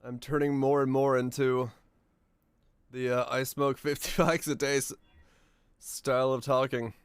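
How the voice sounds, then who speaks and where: A hoarse man with a raspy, fading voice chatting casually while streaming a game, rambling and halting, swearing now and then. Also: medium pitch, little pitch movement, no echo. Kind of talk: casual gaming stream commentary.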